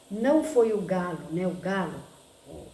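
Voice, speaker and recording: Amid noticeable background noise and audible room echo, a woman talks very slowly. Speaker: vlogger. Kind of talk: casual chat. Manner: loud; talkative, filler-heavy.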